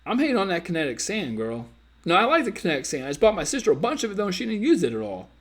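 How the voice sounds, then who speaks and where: A man's voice: high voice, huge pitch swings, very fast, a bit bright. A man hosting a dating-advice live stream, casually reading viewer comments and teasing them in a playful, slangy way.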